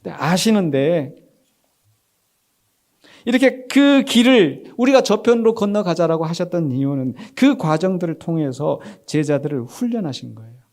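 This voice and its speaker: A middle-aged man preaching a Sunday sermon in a conversational, animated way, asking the congregation questions and answering them himself. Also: fairly high pitch, normal speed. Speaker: pastor. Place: church sanctuary.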